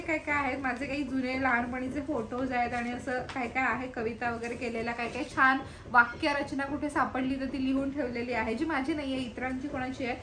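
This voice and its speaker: A Marathi woman vlogger who speaks softly while reading from her diary. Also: sits high, slight background noise. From Maharashtra, India. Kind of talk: casual reading and chat.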